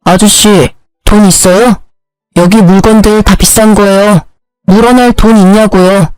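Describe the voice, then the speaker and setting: A woman's voice: medium pitch, steady tone, measured pace, a little mellow, clear, resonant tone, no echo, faint music behind, close to an everyday voice, rough recording. Brief: woman voicing a clever young son, cold and mockingly polite, dry audio story.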